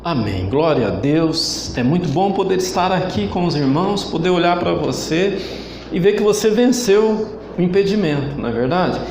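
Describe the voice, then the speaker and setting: In an echoey church hall, a rough recording captures a Brazilian church leader's high-sitting, animated voice with a somewhat dark tone. He preaches an online sermon with a Brazilian Portuguese accent, slow and emphatic, calling on the congregation to answer back.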